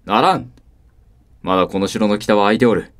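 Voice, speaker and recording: Low-voiced samurai castle lord played by a man. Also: moderate pace, natural voice. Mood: urgent, commanding. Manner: archaic, authoritative samurai speech. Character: stern old samurai castle lord, commanding father of two daughters. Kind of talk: Japanese historical voice drama acting.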